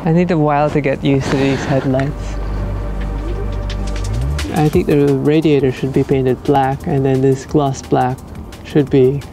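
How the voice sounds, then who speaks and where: A woman chatting casually as a car vlogger, her voice slightly hoarse. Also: extremely low pitch, flat delivery, unhurried, long pauses, music in the background. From Philippines. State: slightly hoarse, jet lagged. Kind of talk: casual vlog chat. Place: outdoors and in cars, on the move. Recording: clear outdoor and traffic noise.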